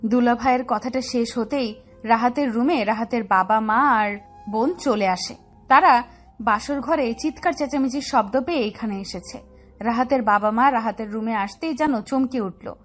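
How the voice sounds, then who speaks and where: Brief: female storyteller, slightly high voice, steady scripted narration. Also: moderate pace, soft background music.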